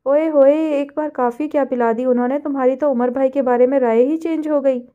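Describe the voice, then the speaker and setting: A woman's voice: sits high, fairly even intonation, phone-quality sound, lightly acted. A woman voicing a playful, mocking young woman friend in a storybook reading. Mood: teasing. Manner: teasing, mocking.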